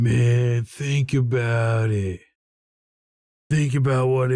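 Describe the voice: In a put-on character voice, a man speaks at a very slow pace. His pitch is medium and his intonation fairly even.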